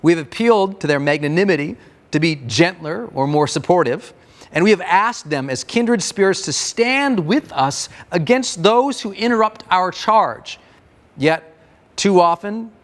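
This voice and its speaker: A man's voice: on the high side, animated, unhurried, dry recording. A man reading a scripted motivational manifesto in an earnest, declamatory way. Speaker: narrator.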